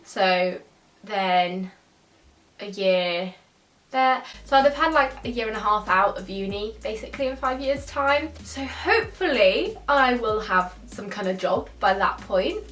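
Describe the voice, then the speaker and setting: A woman's voice: mid-range voice, animated, unhurried, a bit bright, distant mic. Chatty 20-year-old woman in an echoey room. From Spain. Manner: chatty, thinks aloud, laughs now and then. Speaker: YouTuber answering viewer questions. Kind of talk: casual Q&A chat. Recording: echoey room, voice a bit off-mic, faint music.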